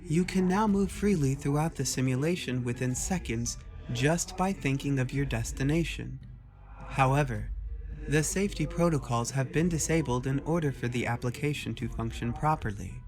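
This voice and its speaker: A man's voice: medium pitch, moderate pace, darkish tone, soft background music, lightly acted. A man voicing a polite, ghost-like female AI assistant with a formal, precise way of reporting, in a sci-fi story. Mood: formal, cautioning. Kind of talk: acted dialogue in narrated sci-fi story.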